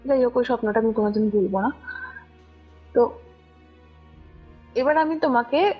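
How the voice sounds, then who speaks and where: A woman's voice: a little high, normal speed, breathy edge. A young woman tells a personal story casually and conversationally, often checking that her listener follows. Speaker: guest recounting a personal ghost experience. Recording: muffled lo-fi audio over music. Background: music.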